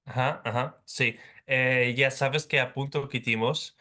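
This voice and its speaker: A male interview host with a mid-range voice asks his guest questions. He listens closely and fills the pauses with brief affirming murmurs. He sounds courteous and engaged. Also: mid-range voice, steady tone, pushed and bright. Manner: attentive, frequent short backchannel sounds. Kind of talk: interview hosting. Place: home in London.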